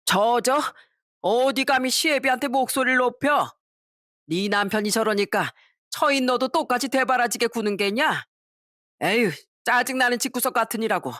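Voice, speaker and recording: A woman's voice: a little high, normal speed, a bit bright, no room sound, clean studio sound, pitched above the performer's own voice, lightly acted. A woman voicing a stingy, bullying old father-in-law who scolds with contempt, in a story read aloud. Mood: contemptuous.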